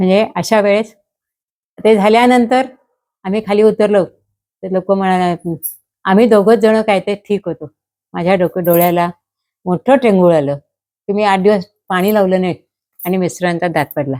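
With a dark, mellow tone and medium pitch, a woman speaks with ordinary pitch variation in a dry, close sound that has no echo. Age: 70s. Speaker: elderly storyteller, memoir author. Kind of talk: personal reminiscence.

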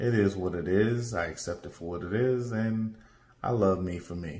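At a moderate pace and with ordinary pitch variation, someone speaks with an American accent amid audible room echo. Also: man. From Missouri. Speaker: legal commentary youtuber; legal commentary vlogger. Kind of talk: monologue. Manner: casual, conversational. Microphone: phone near.

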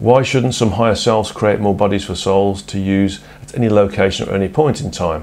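A man with a West Midlands accent speaks at a fairly quick pace in a fairly low voice with ordinary pitch variation, and there is noticeable background noise. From West Midlands, England. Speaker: spiritual lecturer. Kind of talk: lecture with Q&A and guided meditation. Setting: online broadcast. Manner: fast talker.

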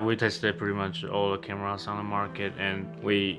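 Faint music plays in the background as a man talks at a moderate pace in a fairly low pitch. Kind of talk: interview answer. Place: home room.

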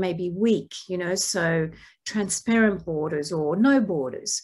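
A woman talks with an Australian accent. Her pace is fairly slow and her pitch varies in an ordinary way. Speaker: professor leading a workshop session. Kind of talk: academic seminar facilitation. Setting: video call.

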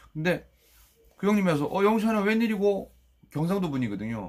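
The man talks fairly quickly, his pitch swinging very widely. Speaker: former comedian turned counseling psychology professor. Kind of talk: live-stream monologue. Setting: live stream. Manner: serious, subdued. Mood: earnest, reflective. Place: home room. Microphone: phone near.

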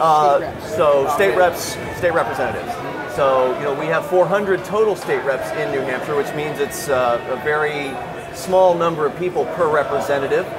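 Clear music plays behind a man speaking. He moves at a moderate pace with ordinary pitch variation. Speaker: interviewee, radio host. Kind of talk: interview answer. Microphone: lapel.

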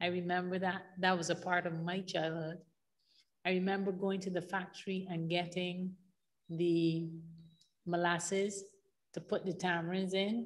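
A woman speaks in a flat monotone, with long pauses that come often. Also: medium pitch for a woman, moderate pace, quiet background. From Barbados. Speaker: project consultant. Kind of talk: meeting chairing. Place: hall. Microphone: podium.

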